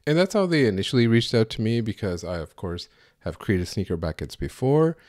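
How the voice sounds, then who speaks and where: Male podcast host, lowish voice, rambling casual questions, dry close mic. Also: very animated, a little fast, darkish tone, no echo. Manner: loose, rambling questions with likes and kinds of. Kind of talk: podcast intro and interviewing.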